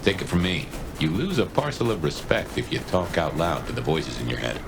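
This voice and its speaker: An actor playing a wry, world-weary vampire detective companion in a video game, talking in a folksy, conversational way. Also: male voice, rumbling low, sing-song, brisk, background noise. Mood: confiding. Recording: loud music behind the voice.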